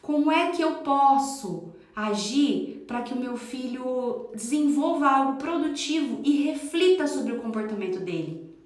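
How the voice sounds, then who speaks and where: A woman's voice: high-pitched, lively intonation, unhurried. A Brazilian woman, a parenting educator, giving an earnest, emphatic live talk straight to her listeners on a phone mic. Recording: echoey room.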